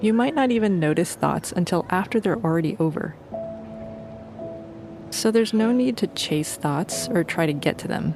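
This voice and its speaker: Music plays behind a woman whose fairly low voice carries lively intonation and a calm, relaxed tone. She keeps a moderate pace but leaves long, frequent pauses. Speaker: guided meditation teacher. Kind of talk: guided meditation for sleep. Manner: calm, relaxed, gentle.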